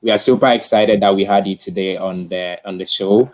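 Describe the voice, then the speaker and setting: A man hosts an informal online tech talk on a live stream, effusive and often repeating himself. His voice is deep, his tone steady, and his pace brisk.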